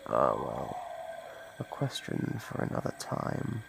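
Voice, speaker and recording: A man playing an ancient, predatory monster in an ASMR roleplay, taunting and possessive in a gravelly, theatrical voice. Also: very deep voice, big pitch swings, takes it slowly, background noise, full character voice. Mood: possessive, smug. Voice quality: gravelly, creaky. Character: ancient predatory male monster, menacing, gloating, possessive hunter. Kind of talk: ASMR roleplay, dramatic monologue.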